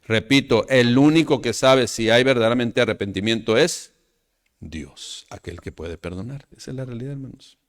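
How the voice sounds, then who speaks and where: A man, preaching a sermon to his congregation, calling them brothers, asking rhetorical questions, and moving between loud emphatic lines and quiet trailing asides. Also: medium pitch, normal speed. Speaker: pastor.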